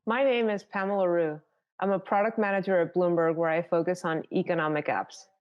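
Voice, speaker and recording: A woman from South Texas whose first language is Spanish gives a rehearsed talk. Her delivery is steady and prepared, and her voice sits on the lower side. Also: brisk, dull audio. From South Texas, United States. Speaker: conference speaker.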